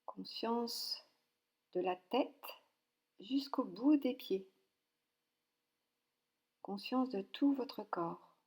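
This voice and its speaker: In a fairly high-pitched voice, a woman talks listeners through a guided yoga nidra relaxation. Her short instructions come calmly and softly, soothing in tone, with long silences in between.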